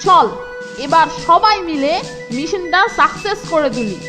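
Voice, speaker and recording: A woman's voice: extremely high pitch, expressive, a little slow. A woman voicing a plucky, crafty young schoolboy in a children's cartoon, spirited and indignant. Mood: scheming. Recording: long reverb, music behind.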